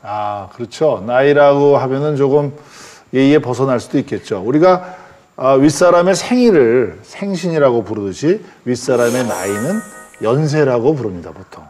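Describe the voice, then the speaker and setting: A man's voice: medium pitch, animated, darkish tone, soft background music. Patient man teaching a language class. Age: 40s. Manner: patient, explains slowly with many restarts. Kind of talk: classroom instruction.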